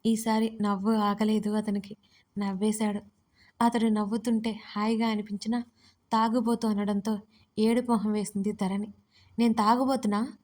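A woman narrating an audio story in a steady, measured reading. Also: medium pitch.

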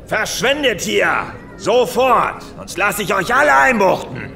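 Radio play role: brusque policeman played by an actor, high, gravelly bark, commanding. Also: sing-song, a little slow, bright, forceful tone, exaggerated voice. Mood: angry, commanding. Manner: barking orders. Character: brusque, threatening policeman clearing away gawkers. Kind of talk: audio drama acting.

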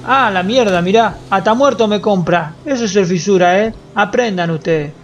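A young man with a Rioplatense Spanish, Argentine accent streams a game, offering casual commentary and joking in crude slang. His voice sits high at a normal speed, and the audio sounds dull.

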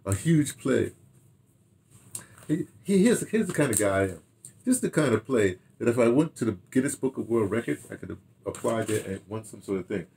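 A man's voice: mid-range voice, expressive, a little fast, gravelly, a little mellow. An older man reminiscing casually to camera, rambling and repeating phrases as he talks half to himself. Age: older, 60s or 70s. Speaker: radio drama director and producer reminiscing. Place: furnished room at home, indoors.

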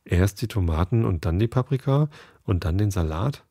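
A man's voice: deep voice, expressive, moderate pace, dark tone, slightly rough, no room sound, clean studio sound, heavily acted. A man voicing a jovial, teasing male guardian angel who bosses a young woman around playfully.

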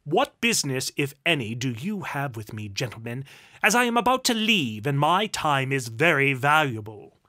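A man's voice: medium pitch, big pitch swings, moderate pace, bright, forceful tone. Man acting a cold, imperious, haughty duke. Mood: haughty disdain. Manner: dry, imperious, cutting. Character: cold, haughty, bitter duke, contemptuous of the poor.

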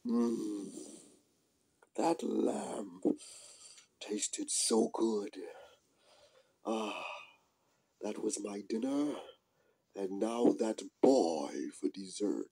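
A puppeteer voicing a hungry, gloating wolf villain with drawn-out, menacing delivery in an amateur puppet show. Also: mid-range voice, gravelly, mellow, breathy edge, full character voice. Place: small indoor room, behind puppet curtain.

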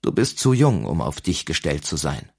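A grave, kindly old abbot, as a male narrator voices him, speaking gently and solemnly. The voice sits very low, with a husky grain. It carries audiobook calm and quiet authority. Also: normal speed, full character voice. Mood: firm. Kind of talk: audiobook character reading.

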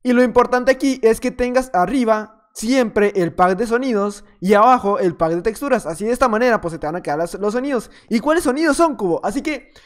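A man narrates his own gaming session in a loose, chatty way. He jokes around, trails off now and then and taunts his rivals. His tone stays relaxed and unscripted. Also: extremely high pitch, fairly quick. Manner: playful, rambling, teasing opponents. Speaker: gaming video creator. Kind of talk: casual gameplay commentary.

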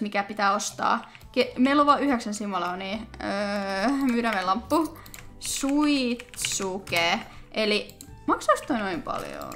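A young woman with a Finnish accent, chatting excitedly to viewers while playing a life-sim game. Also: fairly high pitch. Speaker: let's play host. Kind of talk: casual gameplay commentary.

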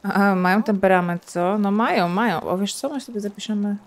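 A woman's voice: medium pitch, fairly quick. Chatty woman narrating her gameplay. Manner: chatty, thinks aloud, playful sound effects. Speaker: gaming streamer. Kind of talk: casual let's-play commentary.

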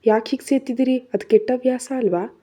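A woman voicing a timid, devoted young bride in a storybook narration, speaking hesitantly and haltingly. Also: on the high side, steady tone, dark tone, voice pushed up, close to an everyday voice. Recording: dull lo-fi audio.

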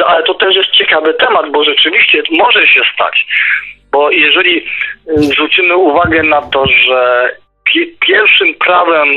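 Man on a tinny phone line, higher-pitched. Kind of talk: casual debate and musing. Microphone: phone or internet call. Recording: tinny phone line, faint music behind.

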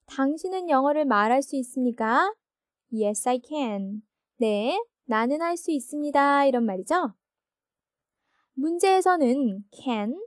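Woman teacher going over a lesson, high voice, patient, dry close mic. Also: dry recording. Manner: patient, asks rhetorical check questions. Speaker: English teacher. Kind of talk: explaining a lesson.

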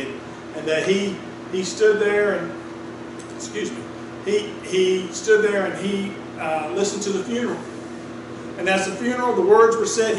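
A middle-aged man preaching a conversational sermon, telling a story and drawing answers from the congregation in a small wood-paneled church. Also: sits high. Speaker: pastor. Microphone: room mic from a distant camera. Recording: echoey room, distant mic, clear air-conditioner hum.

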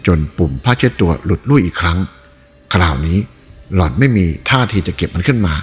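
Low-voiced man reading a novel. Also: fairly quick. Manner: expressive storytelling read. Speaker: narrator. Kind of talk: audiobook novel narration. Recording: reverberant room with faint music.

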